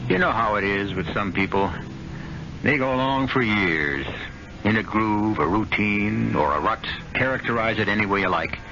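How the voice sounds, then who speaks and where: A man's voice: on the low side, lively intonation, moderate pace, heavy background noise. A man hosting and narrating a radio mystery show in a theatrical, ominous, rhetorical way. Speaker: radio drama host. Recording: dull lo-fi vintage radio recording with loud music.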